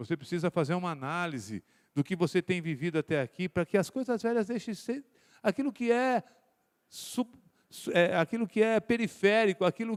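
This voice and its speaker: At a moderate pace, a man talks in a very clean recording with a silent background and a dry, close sound free of echo. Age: 40s. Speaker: pastor. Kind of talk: sermon. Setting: church. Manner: informal.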